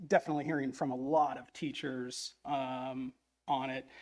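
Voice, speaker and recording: This is a male speaker. His voice falls in a medium range. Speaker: parent speaking at public comment. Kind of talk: public comment at a meeting. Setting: school board meeting. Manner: fast; halting, many fillers.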